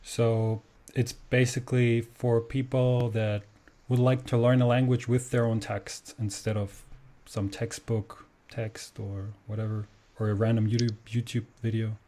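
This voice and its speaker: German male host, native German speaker, mellow timbre, enthusiastic casual interviewer. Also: medium pitch, flat delivery, measured pace. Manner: enthusiastic, says "awesome" often.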